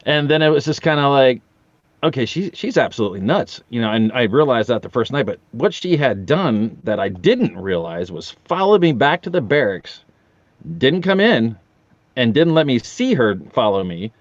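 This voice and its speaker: A man's voice: mid-range voice, moderate pace, no room sound, dull audio. A man in his forties chatting casually as a podcast guest, telling anecdotes and acting out the dialogue. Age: 40s. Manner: animated storyteller, acting out quoted dialogue. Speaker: podcast guest, audio drama voice actor.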